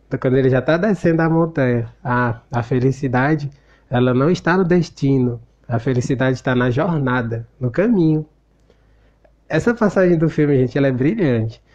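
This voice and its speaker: A man's voice: mid-range voice, a little mellow, dull audio. A man with a Brazilian Portuguese accent, giving a casual spoken commentary on a book and retelling a film scene in a reflective, storytelling way.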